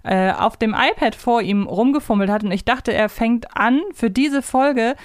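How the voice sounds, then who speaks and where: A woman's voice: fairly high pitch, moderate pace, no room sound, clean studio sound. A woman hosting a podcast, chatting casually and bantering through a quiz game. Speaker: podcast host.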